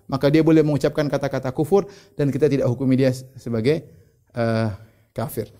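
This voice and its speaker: A man's voice: medium pitch, steady tone, brisk, warm tone. A male Indonesian preacher giving a religious lecture, explaining terms and retelling stories with quoted dialogue. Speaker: Islamic preacher.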